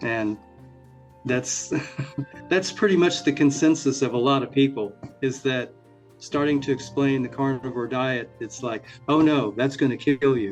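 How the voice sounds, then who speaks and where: Over music in the background, a man at medium pitch talks at a moderate pace with ordinary pitch variation and long, frequent pauses. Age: 70s. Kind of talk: interview answer.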